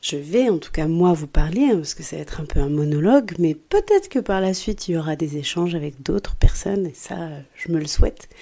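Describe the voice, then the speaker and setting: A woman talks at a fairly quick pace with hardly any pauses. Her pitch is fairly low, and her loudness swings widely. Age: 30s. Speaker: podcast host, life coach in training. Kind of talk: casual monologue podcast. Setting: on a weekend trip, new microphone on tripod. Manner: casual, hesitant with fillers.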